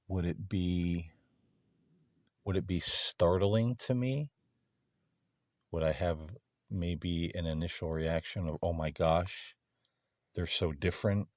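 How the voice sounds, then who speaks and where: Deep, gravelly man speaking slowly and tentatively. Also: dry recording, clean studio sound. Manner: polite, tentative, halting with pauses. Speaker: paranormal investigator hosting a contact session. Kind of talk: slow, spontaneous questions addressed to unseen beings.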